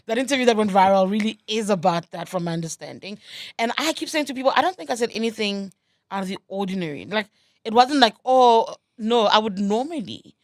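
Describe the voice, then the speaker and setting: A woman in a played interview clip, speaking in a measured, candid and self-assured way. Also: medium pitch, dry recording, clean studio sound. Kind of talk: reflective interview answer.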